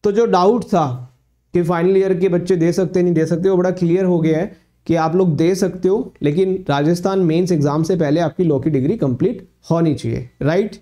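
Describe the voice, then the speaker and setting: Mellow-voiced man explaining exam rules. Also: high voice. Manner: explanatory, repeats points, mixes English phrases; reads notification lines aloud slowly. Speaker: law exam coach. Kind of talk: exam guidance lecture.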